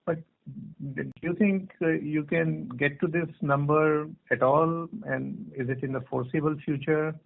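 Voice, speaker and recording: A man's voice: fairly high pitch, steady tone, normal speed, gravelly. A man with an Indian accent asking polite, tentatively phrased questions as a financial analyst on a conference call. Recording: narrow, muffled phone line.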